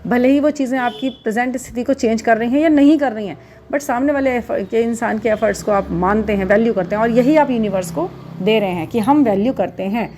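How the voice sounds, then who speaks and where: A woman's voice: a little high, brisk, mellow, a little hiss or hum. A middle-aged woman hosting a spiritual guidance channel, talking casually and reassuringly to her viewers, repeating words for emphasis and mixing English terms into her Hindi.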